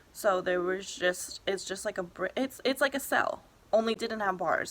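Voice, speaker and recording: Her pace fairly slow, a woman speaks at medium pitch in an ordinary speaking voice. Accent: American. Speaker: YouTuber. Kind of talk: personal storytelling. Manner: casual, filler-heavy.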